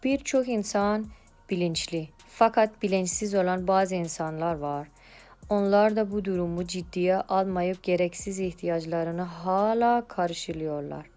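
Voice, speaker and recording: A woman's voice: mid-range voice, a little mellow. A woman with an Iranian accent giving a prepared report in a foreigner's broken Turkish with grammatical slips.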